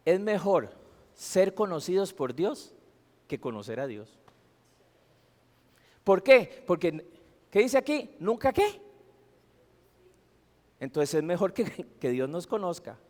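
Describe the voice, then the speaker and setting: A man's voice: high voice, very animated, slow pace, long pauses. A man preaching a sermon in a church, asking the congregation emphatic rhetorical questions. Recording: long hall reverb.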